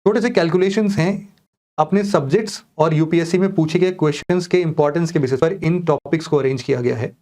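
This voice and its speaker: Chatty Indian coaching teacher, raised pitch. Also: male voice, brisk, warm tone. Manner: conversational, mixing English words into Hindi, addressing students directly. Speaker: online exam coaching teacher. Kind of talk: explaining a course schedule to students.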